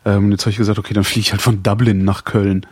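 Man, forties, podcast co-host, casual rambling chat, laughs a lot, husky. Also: fairly low pitch, little pitch movement, fast, no room sound, studio quality. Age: 40s. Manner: chatty, laughs often, rambling restarts.

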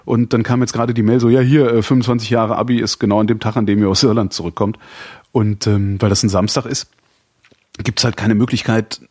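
A man's voice: on the low side, fairly even intonation, brisk, darkish tone, husky, no room sound, studio quality. A man in his forties co-hosting a podcast, chatting casually, rambling and laughing often. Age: 40s. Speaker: podcast co-host. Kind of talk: casual chat.

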